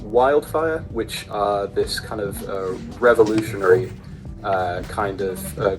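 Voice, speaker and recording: A man working as a voice director, explaining things informally in a hesitant, softened way. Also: on the low side, poor audio. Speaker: voice director briefing actors.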